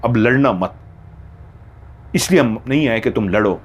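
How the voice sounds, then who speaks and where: A man's voice: medium pitch, a little slow, husky. A man voicing a young man who reproaches his friends and urges them to stop fighting. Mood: reproachful. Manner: reproachful, urging calm. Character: young man, peacemaker leading the group.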